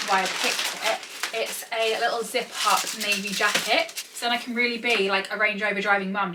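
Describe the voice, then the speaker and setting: A British woman in her twenties chatting casually to camera in a bubbly, gushing, girly way, as a vlogger. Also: medium pitch. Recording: distant mic, faint background noise.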